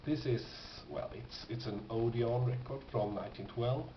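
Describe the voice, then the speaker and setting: Male collector, casual halting presenter; dull sound with clear noise. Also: mid-range voice. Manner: halting, pausing, thoughtful delivery. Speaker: record collector presenting finds. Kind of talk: casual unscripted show-and-tell. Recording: dull, noisy, echoey home recording.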